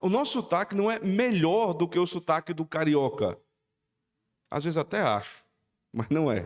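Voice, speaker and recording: The voice swings very widely in pitch, with long, frequent pauses. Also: man, high pitch for a man, moderate pace, very clean recording, silent background. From Paraíba, northeast Brazil. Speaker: pastor. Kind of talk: sermon.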